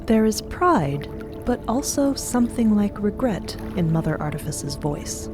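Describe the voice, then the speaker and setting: A woman's voice: medium pitch, big pitch swings, a little slow, over music. A woman narrating a scripted fantasy audio drama as a descriptive storyteller.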